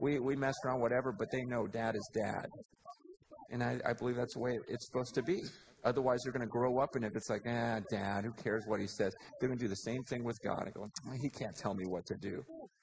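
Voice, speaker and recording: Over noticeable background noise, a man with an American accent speaks at a very fast pace. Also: medium pitch for a man. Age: 40s. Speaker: pastor. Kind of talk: sermon. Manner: animated.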